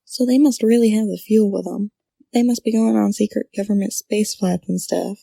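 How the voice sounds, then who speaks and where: Woman acting a creaky, dark-voiced believer. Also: mid-range voice, steady tone, normal speed, dry recording. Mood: insistent. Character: excitable female adventurer, sure of conspiracies and destiny. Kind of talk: audio drama acting.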